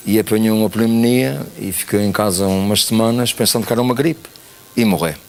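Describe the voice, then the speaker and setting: Man, 60s, low-pitched, plain storytelling, interview guest. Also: brisk, darkish tone. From São Miguel, Azores. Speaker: guest, retired army major. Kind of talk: recounting life story in a TV interview.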